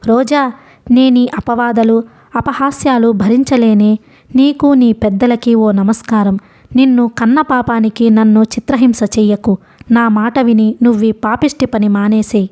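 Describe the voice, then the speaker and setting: A woman narrating a novel, voicing a furious, desperate middle-aged mother who shouts bitter threats. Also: fairly high pitch, fairly even intonation, a little slow, natural voice. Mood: pleading. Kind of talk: audiobook novel reading.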